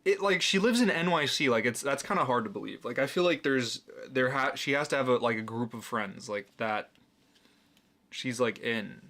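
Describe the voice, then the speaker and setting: A man's voice: mid-range voice, animated, normal speed, sharp tone. A young man hosting a reaction video, talking casually with incredulous, mocking asides and frequent laughs.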